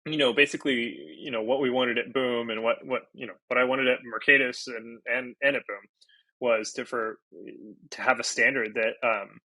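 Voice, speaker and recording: A man's voice: medium pitch, fairly even intonation, normal speed, bright, forceful tone, no echo, low-quality recording. A Portuguese-native man from Brazil, a podcast guest, talking casually and thinking aloud with many fillers and restarts. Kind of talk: casual interview talk.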